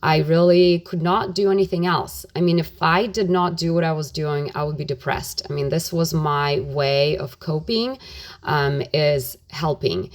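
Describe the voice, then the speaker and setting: A low-pitched middle-aged woman from Ukraine speaks earnestly as a radio interview guest. She keeps dropping "you know" between her points, in an unhurried and sincere manner. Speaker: guest, nonprofit president. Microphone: phone or studio mic on radio.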